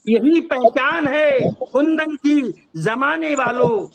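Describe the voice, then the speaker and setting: A man's voice: high voice, poor audio. A man, a poet, reciting his ghazals over a video call and repeating each couplet twice.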